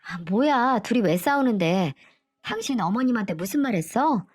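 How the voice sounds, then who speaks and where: A woman voicing a cold, sharp young wife who talks curtly and bluntly. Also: a little high, animated, normal speed, dry recording, studio quality, faint music behind.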